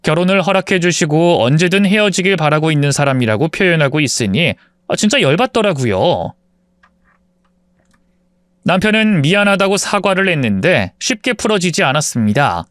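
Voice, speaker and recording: A man narrating a first-person family story as a wronged wife, expressive and storytelling. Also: on the high side, normal speed, smooth, no room sound, studio quality.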